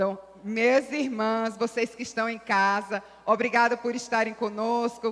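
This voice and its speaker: A woman speaks in a flat monotone at a fairly high pitch, with noticeable background noise. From Paraíba, Brazil. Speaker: preacher at women's church event. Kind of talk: sermon. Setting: church event, filmed and streamed.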